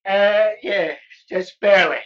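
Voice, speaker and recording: An actress playing a wry, wisecracking woman in a 1930s film comedy, with dry deadpan put-downs. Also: mid-range voice, a little slow, highs cut off, close to an everyday voice.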